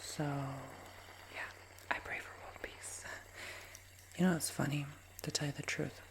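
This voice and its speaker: A man in his twenties with a nasal, raspy voice, giving a soft, rambling ASMR whisper with many fillers. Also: on the high side, level tone, slow. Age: 20s. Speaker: ASMR creator.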